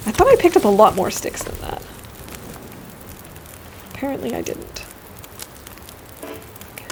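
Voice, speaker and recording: A woman streams a survival game and chats easily with her viewers, laughing often as she answers them by name. Her voice sits a little high. A faint noise runs underneath. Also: big pitch swings, unhurried. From United States. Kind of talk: casual gameplay chat with chat readers.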